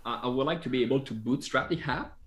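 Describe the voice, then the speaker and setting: A man's voice: medium pitch, fast, a bit bright. A man with a French accent, a native French speaker, talking as a podcast guest in casual conversation, hesitant and often restarting his phrases with frequent laughs. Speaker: podcast guest, app founder.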